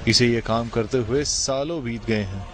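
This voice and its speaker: A man's voice: medium pitch, normal speed, fairly bright tone. A male reporter reading a formal news voice-over in polished Urdu.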